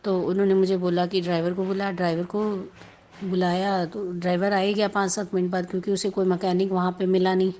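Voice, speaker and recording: A woman's voice: lowish voice, flat delivery, a little fast, dark tone. A woman sharing a devotional testimony in a casual, chatty storytelling way, slipping English words into her Hindi and often restarting her sentences.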